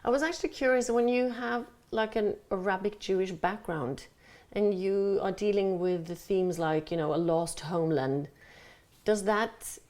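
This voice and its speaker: A woman's voice: medium pitch, normal speed, a little mellow. A woman hosting a podcast interview, asking curious questions and giving short encouraging replies. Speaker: podcast host.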